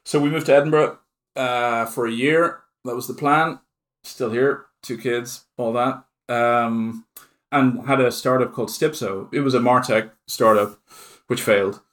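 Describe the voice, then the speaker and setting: Irish male, middle-aged, informal and talkative interview guest, mid-pitched voice. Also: fairly even intonation, unhurried, a bit bright. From Ireland. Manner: chatty, informal. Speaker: conference organiser, interview guest. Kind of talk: casual interview talk.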